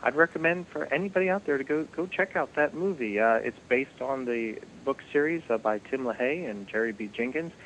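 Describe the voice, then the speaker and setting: A man's voice: mid-range voice, expressive, fairly quick, hardly any pauses, fairly bright tone, a little hiss or hum, rough recording. A man, a guest on a Christian radio show, talking in a friendly way and laughing easily. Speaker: ministry guest. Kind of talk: radio interview conversation.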